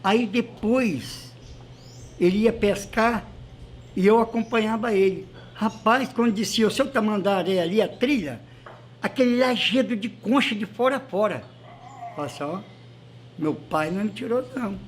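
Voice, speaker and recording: A man's voice: sits high, a little slow. A man in his sixties, a local resident earnestly recounting his father's stories in an interview. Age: 60s. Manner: earnest, insistent on truth. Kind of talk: casual interview storytelling.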